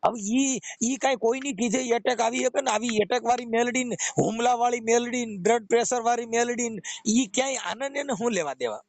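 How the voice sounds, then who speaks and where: Insistent high-pitched man with a Saurashtra Gujarati accent. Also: brisk, few pauses. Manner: insistent, interrupting, talks over the other. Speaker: caller confronting someone over accusations. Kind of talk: argumentative phone conversation. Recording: recorded phone call.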